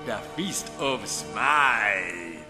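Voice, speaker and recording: An actor playing a menacing, superstitious tribal chief in a video game, speaking halting broken English with grunts. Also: male voice, on the low side, lively intonation. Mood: grim, ominous. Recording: long reverb with music behind. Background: music.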